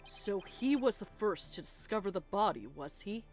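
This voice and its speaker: A formal, authoritative judge from a courtroom game, read out by a woman. The delivery is measured and stern, easily puzzled, at a middling pitch. Game music runs behind. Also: expressive, a little mellow, lightly acted.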